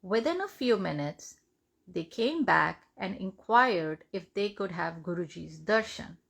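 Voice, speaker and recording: A woman reads a devotional testimony aloud in measured, deliberate phrases. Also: lowish voice, lively intonation, gravelly, a bit bright. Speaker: devotional reader.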